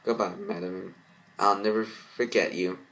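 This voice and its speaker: A man's voice: sits low, fairly even intonation, measured pace, creaky, fairly bright tone, exaggerated voice. A man playing a kind, forgiving young woman in a storybook reading, earnest and plain. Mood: fond.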